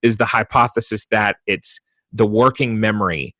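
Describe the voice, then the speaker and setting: A man's voice: fairly low pitch, moderate pace, sharp tone, dry recording. A man hosting a podcast as a therapist, asking questions eagerly and explaining ideas in a casual, affirming way. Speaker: podcast host, EMDR therapist.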